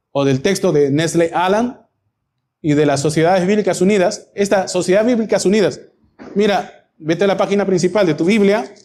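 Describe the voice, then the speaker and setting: High-voiced preacher. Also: male voice, a little mellow. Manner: emphatic, rhetorical questions, varying pace. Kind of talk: sermon Bible teaching.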